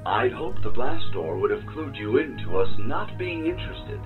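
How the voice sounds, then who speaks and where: A man's voice: on the low side, moderate pace, phone-quality sound, music in the background. Man playing a swooping, playful AI companion. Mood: wry. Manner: lively, quippy, theatrical. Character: playful, curious newborn artificial intelligence companion, chatty. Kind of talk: science fiction audio drama acting.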